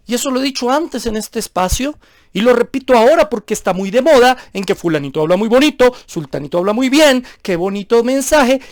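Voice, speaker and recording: A man's voice: sits high, dry recording, studio quality. A man preaching a sermon as a pastor, emphatic and full of rhetorical questions.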